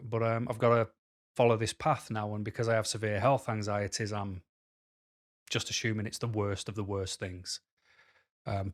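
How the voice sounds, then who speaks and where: A man, a little hoarse, talking frankly to camera in a rambling way with many pauses and ums. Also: lowish voice. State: slightly hoarse. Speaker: vlogger. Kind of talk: casual talk to camera. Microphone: camera mic.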